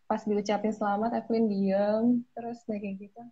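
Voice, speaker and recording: A woman's voice: mid-range voice, little pitch movement, brisk, mellow, husky, dull audio. A young woman, a pageant finalist, animatedly retelling her reaction over a video call. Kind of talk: casual interview storytelling.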